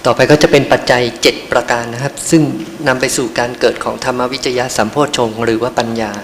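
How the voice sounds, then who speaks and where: A man interprets a meditation talk in a polite, measured way and closes his phrases with courteous particles. His voice sits at an ordinary pitch. It rings with a long hall reverb over faint background noise. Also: steady tone. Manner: polite, ends phrases with khrap.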